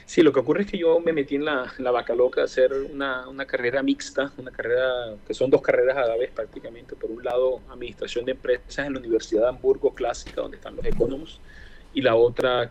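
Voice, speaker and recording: A man in his forties with a Caribbean Spanish accent from Barranquilla, answering casually in an interview with hesitant, drawn-out pauses. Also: mid-range voice, darkish tone, highs cut off, slight background noise. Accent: Colombian Caribbean Spanish (costeño, Barranquilla). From Barranquilla, Caribbean coast of Colombia. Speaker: interview guest, aviation engineer. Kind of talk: casual interview, personal reflection.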